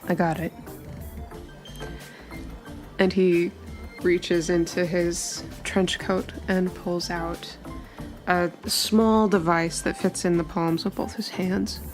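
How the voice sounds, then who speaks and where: Low-voiced woman describing game action, halting. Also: steady tone, a little mellow. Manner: halting, searching for words. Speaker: tabletop game player. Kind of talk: improvised descriptive play. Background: music.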